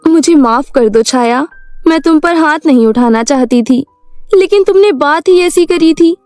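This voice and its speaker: A woman voicing a caring fairy mother, speaking in a warm, motherly way. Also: high-pitched, a little slow, no room sound, faint music behind. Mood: pleading.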